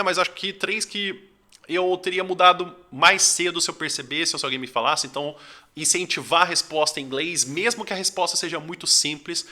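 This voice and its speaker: A man's voice: fairly high pitch, bright, forceful tone. A young Brazilian man teaching English, talking in a casual, conversational way full of fillers. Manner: conversational, lots of fillers like "tipo assim". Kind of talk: casual talking-head lesson.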